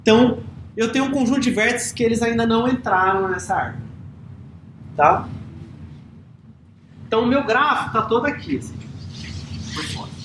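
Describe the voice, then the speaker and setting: A man lecturing to a class in an easygoing, conversational way, pausing often to check that the students follow. His voice carries around a reverberant classroom with a faint hiss underneath. He sounds like a teacher at the board, not reading from a script. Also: very high voice, animated, a bit bright. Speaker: university lecturer. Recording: echoey classroom recording.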